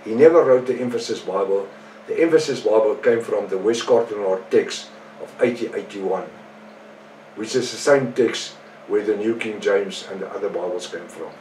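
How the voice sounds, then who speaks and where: A man's voice: fairly low pitch, moderate pace, dark tone. A man giving a bible teaching talk who reads verses aloud, spells words out letter by letter and repeats himself earnestly. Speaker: preacher and teacher. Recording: roomy sound from a distant mic with faint background noise.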